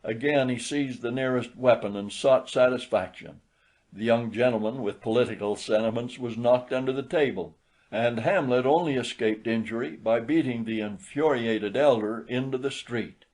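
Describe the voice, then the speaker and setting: A man narrating a literary short story in a measured, expressive storytelling manner. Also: mid-range voice. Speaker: audiobook narrator.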